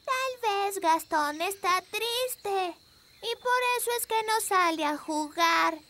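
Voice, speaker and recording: A woman's voice: extremely high pitch, animated, takes it slowly, sharp tone, slight background noise, heavily acted. A woman voicing a sweet, eager little fairy princess girl in a Latin American Spanish cartoon dub, childlike and earnest. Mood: concerned, pleading.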